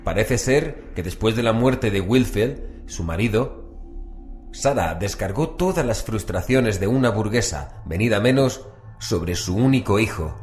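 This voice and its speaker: A male radio co-presenter from reads a scripted biographical piece. His voice sits fairly low, with faint music underneath. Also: animated, measured pace, a little mellow.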